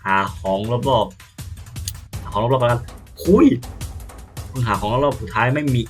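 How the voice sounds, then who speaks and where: A young man commentating as he plays a visual novel, excitable and swearing, sometimes stumbling over words. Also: mid-range voice, a little slow, soft background music. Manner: excitable, yelps and swears at scares; reads game lines aloud, stammering. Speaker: gameplay streamer. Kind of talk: casual let's-play commentary.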